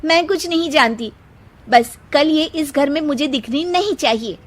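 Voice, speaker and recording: A woman's voice: high voice, normal speed, voice pushed up, close to an everyday voice. A woman putting on a scheming young wife. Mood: demanding. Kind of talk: storybook character voice.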